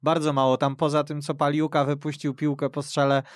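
A man's voice: on the high side, little pitch movement, a little fast, no room sound, clean studio sound. A man hosting a football discussion in a conversational style. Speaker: podcast host. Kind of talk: conversational sports talk.

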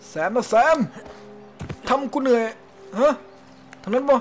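A man's voice: very high-pitched, unhurried, faint music behind. A man hosting his own gaming channel, giving casual, joking let's-play commentary and swearing at the game. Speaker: game streamer host.

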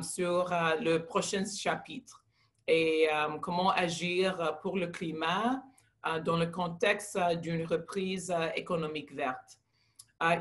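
A middle-aged English-speaking woman, a leadership candidate, speaking haltingly in a second language on a video call, with many fillers and restarts. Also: lowish voice.

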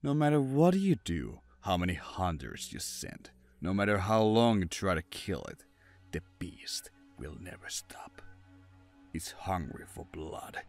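Deep, slow man narrating horror over music. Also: big pitch swings, no room sound. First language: not English. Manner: ominous, dramatic. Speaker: narrator and writer. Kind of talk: scripted horror story narration.

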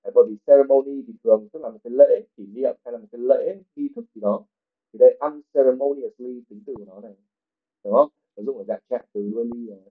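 A man teaching English reads a novel aloud in a livestream and then explains the words one at a time. His pitch sits in the middle for a man. The sound is narrow and thin, like a phone line. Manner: reads English passages, then translates and explains each word. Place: livestream at home.

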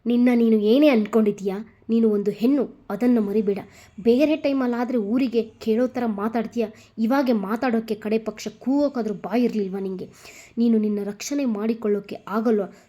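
A woman's voice: fairly high pitch, warm tone, close to an everyday voice. Woman doing an angry young man scolding. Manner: harsh, rapid, lecturing.

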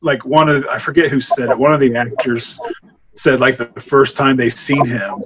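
A man in his thirties co-hosts a horror podcast from a room at home, talking into a desk mic over a video call. He reviews a film in a loose, rambling chat, laughing often and getting animated when amused. His voice is mid-range at a normal speed, with background noise in the recording.

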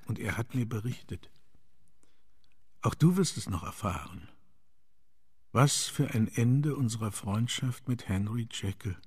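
An actor as husky, shattered dying gentleman. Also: medium pitch, dry recording, clean studio sound. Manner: slow, heavy, solemn. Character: shaken, dying gentleman writing a farewell letter. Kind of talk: radio play monologue.

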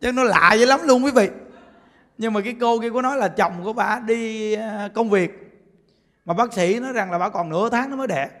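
High-voiced man preaching in a reverberant hall. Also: brisk. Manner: animated, laughing storyteller. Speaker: Buddhist preacher. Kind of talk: sermon.

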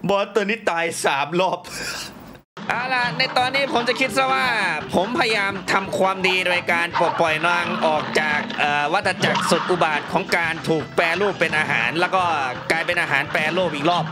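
Excitable young man, high-pitched, sore after wisdom teeth. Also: a little fast. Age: young adult. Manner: excitable, sarcastic, mock boasting, swearing. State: sore mouth after wisdom tooth surgery. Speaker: gaming YouTuber. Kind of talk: gameplay commentary. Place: small room indoors at a gaming desk. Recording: loud game music behind voice. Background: loud game music.

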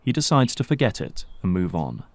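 A man's voice: deep voice, big pitch swings, brisk, darkish tone, dry recording. A man narrating an audio drama from a script in the present tense.

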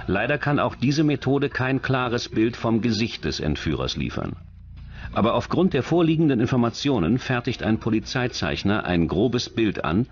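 A man reading scripted true-crime documentary narration in a measured, matter-of-fact manner. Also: lowish voice, lo-fi sound. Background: background music.

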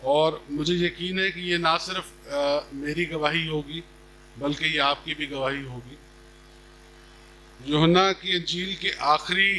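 A middle-aged man preaching a sermon in a measured, deliberate manner, speaking into a podium microphone. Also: fairly high pitch, sharp tone, a little hiss or hum, rough recording. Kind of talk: sermon with scripture reading. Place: stage at a church gathering. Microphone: podium microphone on a stand.

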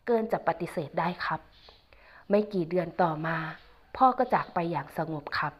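A woman narrating a first-person audio story as a young man, in a slow, hushed and sorrowful way. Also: lowish voice, lively intonation, a little hiss or hum. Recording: dull lo-fi recording.

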